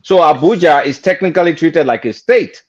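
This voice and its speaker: A man's voice: on the high side, animated, moderate pace. A man with a Nigerian Yoruba accent debating in an online group discussion, insistent and formal when reading out clauses. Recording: dull lo-fi online call audio.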